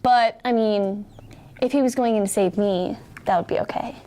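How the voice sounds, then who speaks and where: A young woman co-hosting a student news show, chatting casually with lots of "like" and reading news items in between. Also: moderate pace. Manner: animated, lots of "like", lively swings in pitch.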